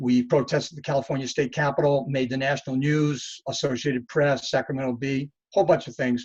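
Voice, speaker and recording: A somewhat breathy man's voice, fairly high in pitch, with an American accent. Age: 70s. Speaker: activist, nonprofit founder. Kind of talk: interview. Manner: halting, many fillers.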